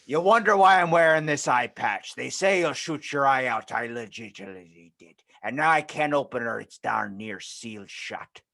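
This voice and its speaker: A man voicing a crude, hapless one-eyed pirate sailor with theatrical, drawn-out complaints in an improvised comic role-play. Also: medium pitch, gravelly, pushed and bright. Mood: crude, complaining.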